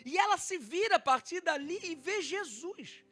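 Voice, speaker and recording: A male pastor with a Brazilian Portuguese accent delivers a dramatic sermon straight to his congregation, acting out the scripture dialogue with loud swings. His voice is extremely high-pitched with lively intonation at a moderate pace. Faint music plays behind him.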